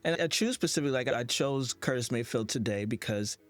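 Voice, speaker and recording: Mid-pitched man hosting over faint music. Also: lively intonation, brisk. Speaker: interview series host. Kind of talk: casual conversational interviewing.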